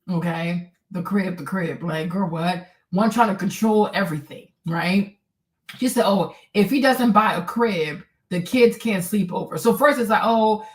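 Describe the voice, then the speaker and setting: A woman vlogger reacting to a clip in casual commentary, blunt and sassy, talking straight to her viewers. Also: mid-range voice.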